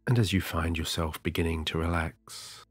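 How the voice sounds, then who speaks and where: A very low, husky male voice guides the listener toward sleep, its cadence slow, hypnotic, and soothing, its tone steady. The recording is close and dry, with quiet, soft music underneath.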